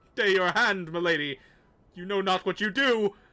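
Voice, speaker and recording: A put-on character voice with a theatrical tone at a moderate pace. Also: man, high pitch for a man. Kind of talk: comic overacting. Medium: game stream. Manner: theatrical, archaic phrasing.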